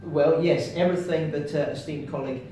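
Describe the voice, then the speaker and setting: A man's voice: a little high, fairly even intonation, fairly quick, warm tone, very echoey, recorded from a distance, soft background music, low-quality recording. A man from England, co-hosting a casual chat about learning languages with dry, self-deprecating humor. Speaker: co-host.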